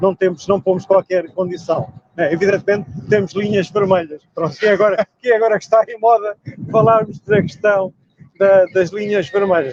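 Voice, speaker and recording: Recorded with a dry, close sound and no echo, a man talks at a moderate pace in a high pitch with ordinary pitch variation. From Portugal, Amadora (Lisbon area). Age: 60s. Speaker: local election candidate. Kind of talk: interview. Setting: outdoors, walking through city streets. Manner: halting, with repetitions and fillers.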